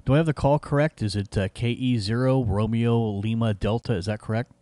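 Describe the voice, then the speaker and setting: A man's voice: mid-range voice, steady tone, a little fast. A man working as an amateur radio operator, giving call signs in phonetic words and making casual contact. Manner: repetitive phonetic call-sign delivery. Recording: faint background radio hiss. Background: faint hiss.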